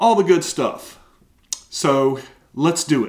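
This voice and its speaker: A man speaks over a quiet background. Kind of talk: tutorial. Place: workshop.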